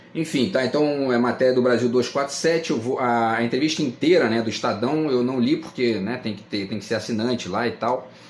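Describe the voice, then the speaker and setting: Hardly pausing, a man talks at a fairly quick pace and medium pitch with ordinary pitch variation over noticeable background noise. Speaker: political commentator and poet. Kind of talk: casual commentary monologue. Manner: hesitant, many fillers.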